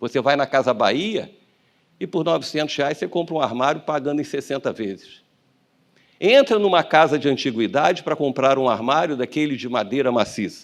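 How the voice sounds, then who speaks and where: A man speaks in a plain, everyday voice at a fairly high pitch and moderate pace. His intonation is lively, and the background is quiet. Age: 60s. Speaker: pastor. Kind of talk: sermon. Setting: church.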